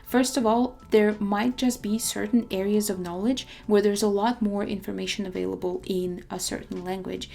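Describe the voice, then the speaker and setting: A young woman from Russia, a native Russian speaker, talking in a measured, articulate way as she presents a semi-scripted language-learning video. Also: mid-range voice, gravelly, warm tone.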